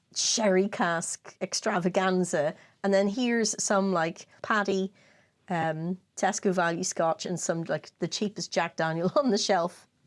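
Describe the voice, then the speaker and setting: With an Irish accent, a woman of medium pitch speaks at a fairly slow pace in a very clean, dry, close recording with a silent background and no echo. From Ireland. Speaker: podcast co-host. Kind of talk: casual chat. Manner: animated.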